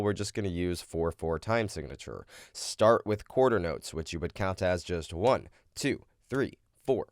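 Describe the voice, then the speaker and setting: A man's voice: on the low side, dry recording, clean studio sound. A man giving instructional narration as a vocal coach, explaining exercises in a casual, step-by-step way.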